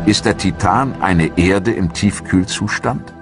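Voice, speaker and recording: A man giving calm, measured, scripted narration for a science documentary. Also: sits low. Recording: studio narration over loud music.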